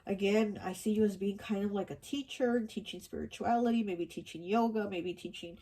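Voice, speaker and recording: A woman's voice: medium pitch, steady tone, fairly quick, warm tone, breathy edge. A woman giving a casual tarot card reading, rambling with many fillers and restarts, her voice stuffy and nasal from allergies. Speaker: tarot reader.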